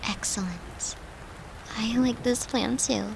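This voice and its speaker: A devoted girlfriend, played by a woman, in an intimate comfort roleplay, with a fairly high voice and an unhurried pace. She is tender and coaxing, playful yet protective, and sometimes sinks into a murmur. A clear rain-like hiss sits behind her. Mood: tender, soothing. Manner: tender, soothing, coaxing, slipping into breathy murmurs.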